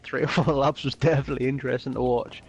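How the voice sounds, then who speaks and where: A man's voice: medium pitch, fairly even intonation, fast talker. A man in a mid-range voice interviews a driver after a race. He asks light, joking questions, with faint music in the background. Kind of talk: casual interview.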